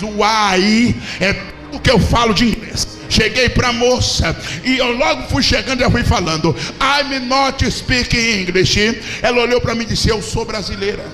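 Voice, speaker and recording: A man in his forties with a Brazilian Portuguese accent, preaching a sermon on a handheld mic and telling stories with humor. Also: extremely high pitch. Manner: preaching with storytelling and humor, hand-held mic, animated gestures. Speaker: pastor. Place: large church hall with a packed congregation. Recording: echoey hall with crowd hum.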